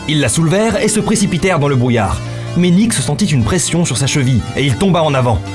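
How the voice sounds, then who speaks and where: A man's voice: a little high, sing-song, quick pace. A man narrating a scripted action story in a dramatic style, with music behind him.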